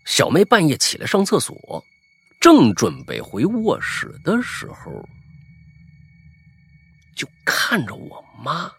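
Brief: husky ghost-story narrator, wildly swinging pitch, stammers for effect, faint music behind. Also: huge pitch swings, slow pace, long pauses, a bit bright. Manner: dramatic, stammering repetitions.

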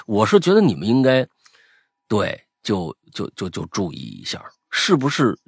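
A man's voice: lowish voice, huge pitch swings, moderate pace, vocal fry, slightly rough, no room sound, studio quality. A man hosting a podcast, chatting casually and reading out listener stories, rambling with many restarts. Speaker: podcast host.

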